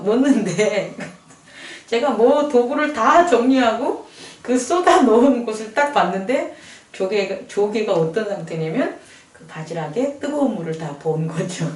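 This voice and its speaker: Lively woman preaching in an echoey church. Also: a little high, recorded from a distance, a little hiss or hum. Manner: animated, conversational preaching with rhetorical questions. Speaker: pastor. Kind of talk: sermon. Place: church sanctuary.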